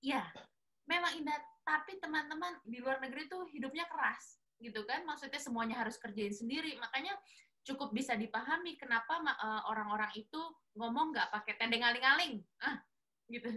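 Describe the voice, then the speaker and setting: A woman's voice: sits high, brisk, sharp tone. A woman hosting a casual interview, asking questions and closing the chat in a friendly way. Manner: friendly, asks questions, short backchannel replies. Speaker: interviewer host.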